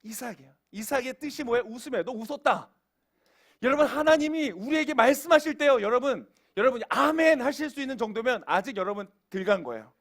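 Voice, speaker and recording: A man's voice: extremely high pitch, lively intonation, fast, few pauses, fairly bright tone. A man preaching a sermon as pastor. He asks the congregation questions and acts out quoted voices in everyday speech.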